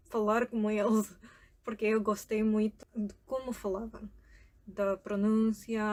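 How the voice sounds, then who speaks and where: A woman's voice: a little high, a little mellow. A young woman vlogger talking unscripted, hesitating and correcting her own words. She has an accent that mixes European Portuguese and Spanish, and she often laughs lightly. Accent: mixed European Portuguese and Spanish. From South America. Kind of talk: unscripted casual vlog talk.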